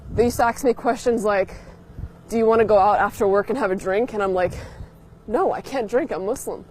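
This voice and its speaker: A young woman speaks plainly and matter-of-factly. Her pitch sits in the middle range. A faint noise runs underneath. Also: brisk, darkish tone, rough recording. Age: young adult. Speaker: university student interviewee.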